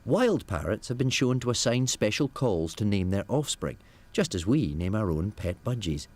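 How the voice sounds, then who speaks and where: A man's voice: lowish voice, big pitch swings, moderate pace, darkish tone. A man narrating a scripted nature documentary. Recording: noticeable background noise.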